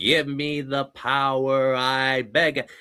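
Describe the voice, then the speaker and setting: A man uses a put-on character voice at a medium pitch. His intonation stays monotone and flat. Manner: creepy, pleading.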